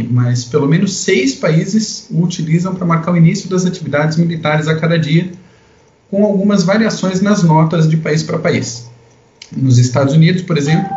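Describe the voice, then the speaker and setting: Higher-voiced Brazilian man in a roomy space. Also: darkish tone, lo-fi sound. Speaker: podcast co-host. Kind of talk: explanatory segment on a podcast.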